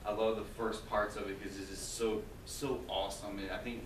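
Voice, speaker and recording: There is noticeable background noise behind this man. He talks at a fairly quick pace with a fairly low pitch. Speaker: lead pastor. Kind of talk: sermon. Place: meeting room. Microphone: camera far.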